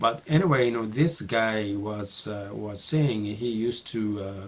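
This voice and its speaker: Speaking at a fairly slow pace, a man uses a fairly low-pitched voice. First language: Japanese. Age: middle-aged. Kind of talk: casual talk to camera.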